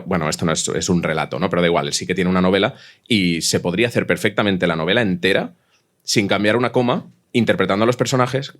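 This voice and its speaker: A man explaining things colloquially and emphatically as a fiction podcaster in a casual panel discussion. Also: sits low.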